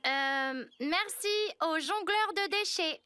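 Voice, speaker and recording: A woman's voice: extremely high pitch, slow. A woman voicing a confident, eager little girl who leads a show troupe in a French-dubbed children's cartoon. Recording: prominent music behind the voice.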